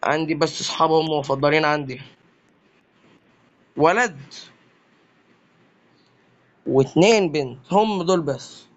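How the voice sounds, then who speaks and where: Excitable Egyptian man voicing a game. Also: on the high side, unhurried, pauses often. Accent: Egyptian Arabic. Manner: excitable, jokey, exclaims often. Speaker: gaming youtuber. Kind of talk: casual gameplay commentary. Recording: dull lo-fi sound with faint noise.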